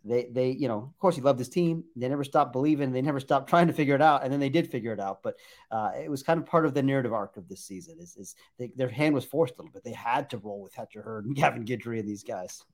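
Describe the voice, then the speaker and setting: Brief: male baseball writer, mid-pitched, tells a story with lots of false starts. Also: quick pace. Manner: rambling with many restarts. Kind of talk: anecdotal podcast storytelling.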